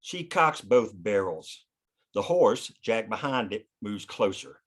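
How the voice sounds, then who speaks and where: A man's voice: lowish voice, expressive, takes it slowly. Man reading screenplay stage directions. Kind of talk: scripted narration at a screenplay table read.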